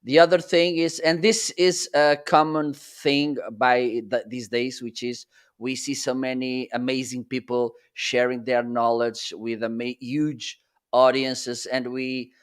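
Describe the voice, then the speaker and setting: Portuguese-accented man, laughing and halting. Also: mid-range voice, little pitch movement, clear, resonant tone. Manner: laughs often, halting non-native phrasing. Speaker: guest. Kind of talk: casual live stream chat.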